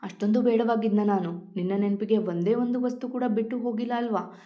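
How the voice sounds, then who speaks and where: A woman's voice: a little high, a little fast, dull audio, natural voice. Woman voicing a hurt sulking young husband. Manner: sulky, wounded.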